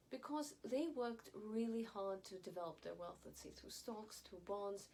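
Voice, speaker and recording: A woman's voice: on the high side, darkish tone, low-quality recording. A woman from Yemen, an English speaker, gives opinionated commentary to viewers with careful, emphatic elocution. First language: not English (English is her fourth language). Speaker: online commentator. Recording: clear background noise.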